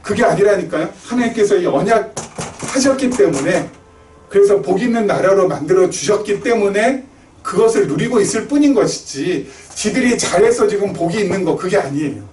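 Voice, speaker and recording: Middle-aged pastor guy, highish voice, keeps asking the crowd questions, echoey church sound. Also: expressive, fairly quick, darkish tone, slight background noise. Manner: conversational preaching with rhetorical questions to the congregation. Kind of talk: sermon. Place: church sanctuary. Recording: roomy church echo, slightly distant.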